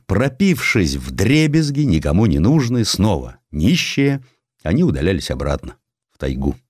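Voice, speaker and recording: Deep-voiced, highly expressive male narrator. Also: no room sound, clean studio sound. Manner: theatrical, wry storytelling. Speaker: audiobook narrator. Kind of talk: dramatic scripted narration of a historical sketch.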